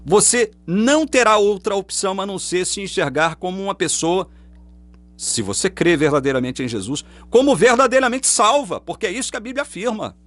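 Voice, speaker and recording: High-pitched, expressive and fairly quick, with a slightly bright tone, the man argues his faith straight to camera. He's an online preacher with a Brazilian Portuguese accent, leaning on rhetorical questions, and a webcam or phone in front of him picks him up.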